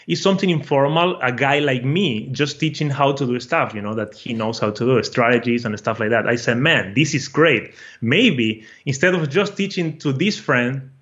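A man's voice: medium pitch, normal speed, few pauses, fairly bright tone, dull audio. A man from Brazil with a Brazilian Portuguese accent, a guest telling his story in a casual interview, eager and often repeating words as he searches for phrasing. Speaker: guest, online course creator.

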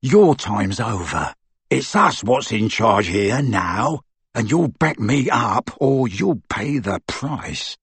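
A man voicing a brutish, crude male henchman who bellows in rough, ungrammatical speech. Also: medium pitch, very animated, slow pace, fairly bright tone, dry recording, full character voice. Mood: menacing.

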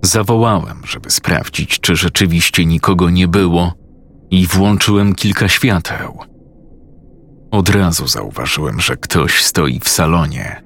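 A man narrating a horror story in the first person with a slow, measured, ominous reading. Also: low voice, expressive, fairly bright tone.

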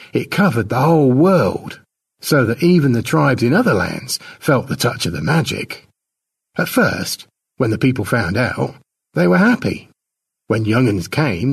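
A man plays a tribal elder passing a sad legend down to the young. The telling is solemn and simple, with pitch that swings widely and a creaky, husky grain. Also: distant mic, exaggerated voice. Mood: solemn storytelling, then wistful storytelling.

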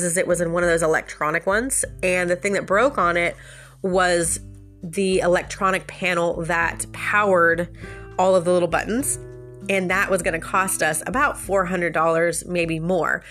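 A woman with a stuffy, nasal voice from a sinus infection hosts a laid-back podcast. She tells a story in a chatty way, laughing here and there and talking straight to her listeners. Her voice sits a little low, with faint music in the background. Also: a bit bright. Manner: chatty, laughs often, addresses listeners directly. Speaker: podcast host. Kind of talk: casual storytelling monologue.

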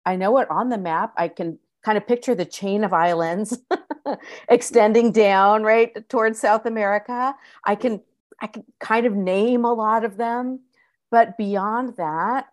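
A woman's voice: mid-range voice, no room sound, clean studio sound. A woman from California hosting a podcast interview, chatty and playfully self-mocking. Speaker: podcast host.

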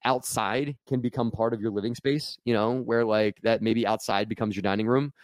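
A man hosting a podcast, talking to viewers and his guest in an energetic, casual way with quick restarts. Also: lowish voice, no echo, studio quality. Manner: energetic, talks fast with restarts and asides to viewers. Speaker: podcast host. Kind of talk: casual podcast monologue and interview.

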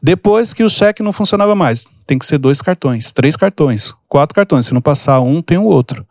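A man's voice: fairly high pitch, animated, brisk, a little mellow, no echo, clean studio sound. A man hosting a podcast, explaining emotional triggers through casual stories and acting out the people in them. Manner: storytelling, acts out quoted people. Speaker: podcast host and mentor. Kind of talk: casual teaching chat.

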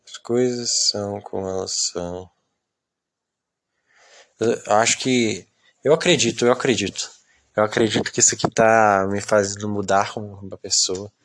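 A young man with a low, fairly bright voice hosts a solo podcast into his phone, rambling along. He's self-mocking and complaining, often trailing off into mumbles.

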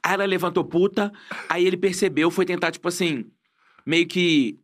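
A young man with a Brazilian Portuguese accent, chatting as a guest and telling stories, acting out what people said. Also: high-pitched. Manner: fast animated storyteller, acts out quotes. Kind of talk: casual chat.

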